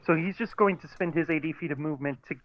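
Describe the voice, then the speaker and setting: A man's voice: fairly high pitch, fast talker. A man chatting casually as a player in a tabletop game, over dull lo-fi voice-chat audio.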